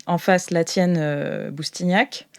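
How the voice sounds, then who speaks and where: A woman's voice: fairly low pitch, steady tone, slow pace, creaky, smooth. A woman narrating an improvised tabletop role-play as game master, descriptive and searching for words as she goes.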